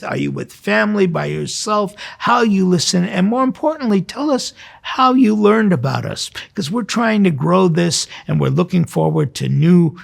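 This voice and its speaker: A man with a very gravelly, husky voice speaks as a priest hosting a devotional programme. His pitch sits on the high side. He preaches informally, talking straight to his listeners and putting questions to them. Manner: conversational, addresses listeners directly with questions. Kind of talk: informal spoken sermon to listeners. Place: recorded in a cathedral choir loft.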